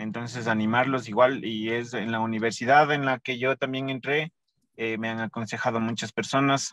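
A man's unremarkable speaking voice, medium in pitch, at a moderate pace, with a dry, close sound and no echo. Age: 30s. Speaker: student, salesperson. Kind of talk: testimony.

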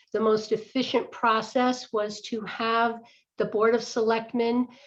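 This woman's voice sits fairly high in pitch and stays monotone and flat. She speaks at a fairly slow pace. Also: quiet background. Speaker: town official. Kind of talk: public meeting report.

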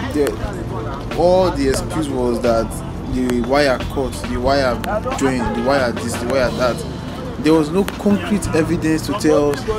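A man talks fairly slowly while clear music sounds behind him. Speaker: walking vlogger. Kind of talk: casual vlog chat. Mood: complaining about power outage. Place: street. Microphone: phone near.

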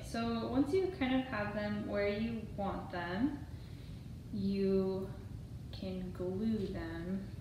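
A woman talks at a very slow pace with long, frequent pauses. Noticeable background noise and audible room echo fill the recording. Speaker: craft presenter. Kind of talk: casual craft tutorial. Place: meeting room. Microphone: camera far.

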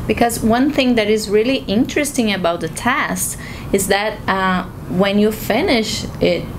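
A woman with a Portuguese accent speaks at a fairly high pitch and a fairly slow pace, with ordinary pitch variation. Her loudness stays very even, and noticeable background noise is present. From Brazil. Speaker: interviewer, channel host. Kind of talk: interview. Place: meeting room.

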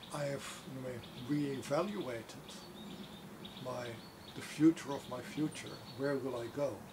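The pitch varies in an ordinary way against noticeable background noise. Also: man. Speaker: meditation guide. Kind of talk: guided meditation. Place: garden. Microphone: camera far.

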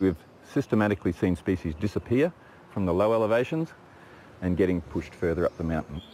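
A man with an Australian accent, a very deep, low pitch and a dark, mellow tone, at a very fast pace with long, frequent pauses and ordinary pitch variation, in a dry sound with no echo over light background noise. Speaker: biologist. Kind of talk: interview soundbite. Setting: outdoors in rainforest. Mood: earnest, concerned. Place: forest.

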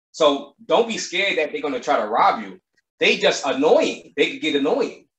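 A man with an American accent and a bright, sharp tone speaks fairly quickly with very wide pitch swings, and audible room echo surrounds his voice. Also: quiet background. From New York. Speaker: YouTuber, Colombia news channel. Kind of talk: interview. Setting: video call. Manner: casual, animated. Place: home room. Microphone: video call.

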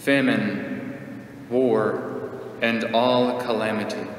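A man's fairly even intonation with audible room echo and light background noise. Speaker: priest leading devotion. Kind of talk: liturgical prayer reading. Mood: solemn, reverent. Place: church.

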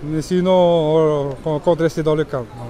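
A man at a fairly slow pace with fairly even intonation, in a dry sound with no echo, faint music in the background. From French Polynesia. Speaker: union representative. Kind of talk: interview. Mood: calm, firm. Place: street. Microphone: handheld.

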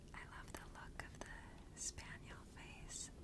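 A woman whispers in a gentle tone at a very slow pace over loud background noise. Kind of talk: casual vlog chat. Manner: gentle tender ASMR whisper. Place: home room.

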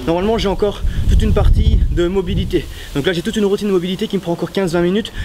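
Noticeable background noise runs beneath speech delivered very quickly. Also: man. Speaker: fitness youtuber. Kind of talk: tutorial.

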